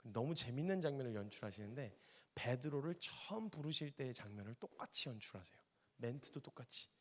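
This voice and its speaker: A man's voice: mid-range voice, expressive, brisk. A man preaching a sermon as a missionary, telling the story vividly and acting out the dialogue in casual speech. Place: church.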